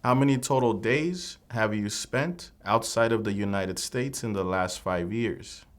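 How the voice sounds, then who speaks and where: A man playing an immigration officer in a scripted mock interview, asking formal, measured questions. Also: on the low side.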